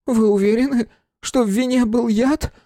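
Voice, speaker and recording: Shrill, fervent fortune-teller's helper. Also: male voice, lively intonation, normal speed, creaky, darkish tone, dry recording, clean studio sound. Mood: pleading. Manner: shrill, pleading, indignant outbursts.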